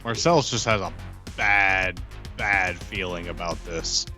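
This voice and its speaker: Low-voiced, sharp-toned man playing a game. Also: measured pace, soft background music. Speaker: tabletop game player. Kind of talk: casual in-character game play.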